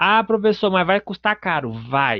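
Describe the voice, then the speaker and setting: As a man talks, his pitch swings very widely. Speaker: university professor. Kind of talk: online lecture. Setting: video call. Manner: casual, conversational.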